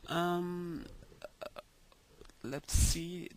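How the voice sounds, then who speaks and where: A young man talking slowly in a casual video diary, with many ums and pauses, tired. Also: high voice, fairly even intonation. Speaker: vlogger.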